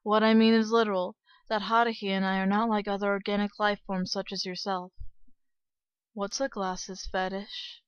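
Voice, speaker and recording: Woman as a quiet, deadpan anime alien girl. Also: mid-range voice, normal speed, smooth, dry recording, dull audio, voice pushed down, close to an everyday voice. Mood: flat, detached. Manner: flat, deadpan, formal. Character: emotionless, soft-spoken alien girl in human form. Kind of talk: anime dub audition acting.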